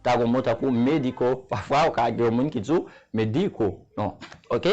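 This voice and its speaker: A man with a Haitian accent, teaching a Spanish pronunciation lesson. He speaks patiently, repeats each example word slowly and keeps checking in with the listener. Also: medium pitch, a little mellow, highs cut off. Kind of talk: spoken language lesson.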